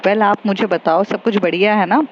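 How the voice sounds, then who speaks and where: A woman's voice: medium pitch, normal speed, natural voice. A woman voicing an upset young woman who hides her tears and mixes English into her Hindi. The recording is slightly dull, with faint noise behind. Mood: deflecting.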